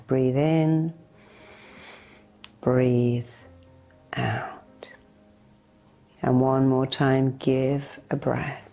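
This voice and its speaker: A woman guides a meditation in a very deep, mellow voice. She gives soothing, deliberate instructions straight to the listener, in the manner of a hypnotherapist. Music plays behind her.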